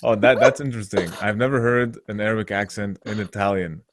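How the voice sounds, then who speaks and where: Man, host, very low voice, dry close sound, friendly halting questions. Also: steady tone, no room sound. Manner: friendly, hesitant questions with restarts. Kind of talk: casual interview.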